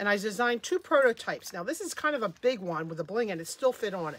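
A woman with a New Jersey accent talks very fast. Her tone is animated and her intonation lively. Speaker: boutique owner. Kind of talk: live sales stream chat. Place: shop. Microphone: camera far.

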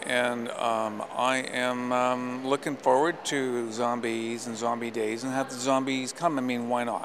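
Noticeable background noise sits behind a man's voice. He speaks at a fairly slow pace in a monotone, flat intonation. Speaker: interviewee. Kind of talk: interview answer. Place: street. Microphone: handheld.

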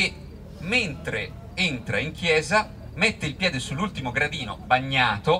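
A man's fairly high voice with very wide pitch swings, against noticeable background noise. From Tuscany, Pisa. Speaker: chemist and crime novelist. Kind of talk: public talk. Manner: hesitant with fillers.

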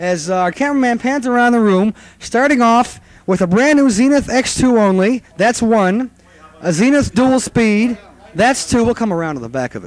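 At a moderate pace, someone speaks in an enthusiastic tone, the sound dry with no echo. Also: man, extremely high pitch for a man, ordinary pitch variation. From US Midwest. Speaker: video collector introducing attendees. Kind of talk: casual emceeing on home video. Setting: hotel ballroom convention, on camera. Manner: enthusiastic, announcer-like. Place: meeting room. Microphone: old recording.

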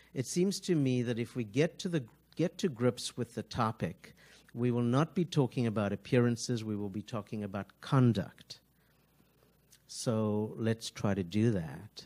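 A man talks at a medium pitch and a moderate pace, with lively intonation and a dark, mellow tone. The sound is dry and close with no echo, on a very clean recording with a silent background. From South Africa. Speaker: journalism professor. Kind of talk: panel discussion. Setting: stage with live audience.

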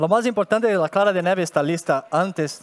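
The speaker has a non-native accent. The delivery is very fast. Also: man. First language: Portuguese (speaking Spanish). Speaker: pastry chef; pastry chef demonstrator. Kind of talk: cooking demonstration. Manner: halting. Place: stage.

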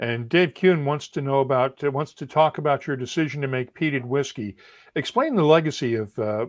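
A man speaks fairly quickly, his pitch varying in an ordinary way, with a quiet background behind him. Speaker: whisky webcast host. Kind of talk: casual chat. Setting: live webcast. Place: home room.

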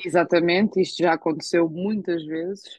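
A woman speaks at a moderate pace. The background is quiet and the sound is dry, with no echo. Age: 20s. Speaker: victim advocacy association founder; webinar panelist. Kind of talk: panel discussion. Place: home room. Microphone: video call.

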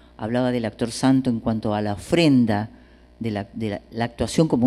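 A woman's very deep, low pitch with a dark, mellow tone at a moderate pace. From Argentina, Buenos Aires. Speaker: stage actress and theatre director; stage actress. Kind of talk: public interview. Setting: auditorium with live audience. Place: hall. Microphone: studio mic.

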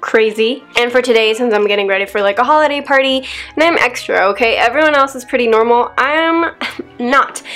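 A woman with a high-pitched voice speaks over faint music in the background. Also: ordinary pitch variation, fairly quick pace. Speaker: beauty vlogger. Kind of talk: casual vlog chat. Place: home room.

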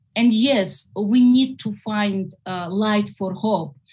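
A woman speaks at a fairly high pitch with ordinary pitch variation. Her voice is somewhat breathy against a quiet background. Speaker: social workers association president. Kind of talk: panel discussion. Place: home room. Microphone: video call.

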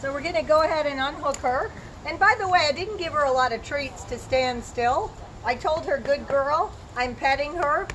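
A woman talks at a moderate pace with high pitch and ordinary pitch variation. There is light background noise. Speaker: horse driving instructor. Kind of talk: tutorial. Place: farm machine. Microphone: camera far.

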